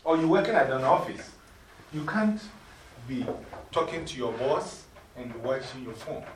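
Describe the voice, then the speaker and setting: A middle-aged woman with a Ghanaian accent, mentoring young people in an informal classroom talk, lively and preachy, laughing easily. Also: a bass voice, moderate pace, noisy background. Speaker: mentor speaking to youth. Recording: echoey room from far off.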